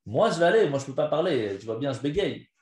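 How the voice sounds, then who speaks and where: A man's voice: medium pitch, sing-song, quick pace, darkish tone. Reluctant male shepherd who stammers, pleading, voiced by a storytelling man, echoey room.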